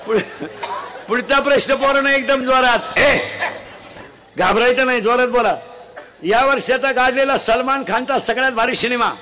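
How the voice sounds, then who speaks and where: A man preaching a comic devotional sermon, scolding in a folksy way and quizzing the crowd for shouted answers. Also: extremely high pitch. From Maharashtra. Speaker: kirtan preacher. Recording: live event with a loud crowd. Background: crowd responding and laughing.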